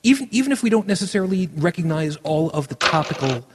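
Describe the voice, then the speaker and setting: A man's voice: sits high, very animated, fast talker, long reverb tail, background noise. A man hosting a podcast, rambling through his points with dry joking asides. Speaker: podcast host. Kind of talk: casual podcast conversation.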